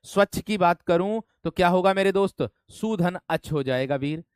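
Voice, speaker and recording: A man's voice: high voice, normal speed, smooth, no room sound, studio quality. A man teaching an online grammar class, explaining step by step and often calling his students friends and brave ones.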